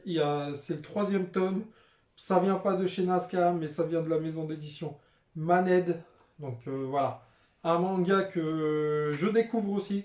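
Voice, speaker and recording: A man's voice: on the high side, darkish tone. A young man chatting casually as a vlogger, filling his talk with frequent hesitations. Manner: chatty, with frequent "euh" and "voilà" fillers. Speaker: manga vlogger showing his purchases. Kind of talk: casual unscripted vlog chat. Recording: roomy echoey room.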